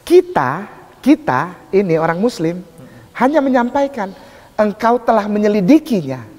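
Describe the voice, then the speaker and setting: A man giving a lively public lecture in a religious debate, emphatic, asking the audience rhetorical questions. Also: high voice, unhurried. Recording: echoey hall reverb.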